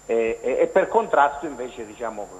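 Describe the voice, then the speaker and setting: A man's voice: mid-range voice, animated, normal speed. A male journalist heard over the phone, giving casual sports commentary in a rambling way with many restarts and fillers. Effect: heard over a phone line. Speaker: journalist phoning in to a TV sports show. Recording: echoey hissing phone line.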